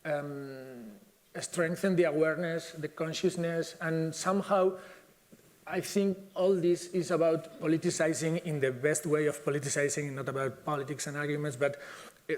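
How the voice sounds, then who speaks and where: A man's voice: on the high side, level tone, normal speed. Hesitant man. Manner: hesitant, many fillers and restarts. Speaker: symposium speaker. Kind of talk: conference talk.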